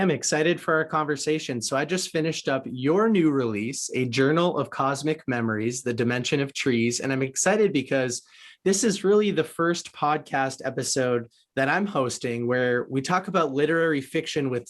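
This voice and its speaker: A man's voice: mid-range voice, normal speed. A man hosting a podcast interview in a conversational, upbeat and articulate way.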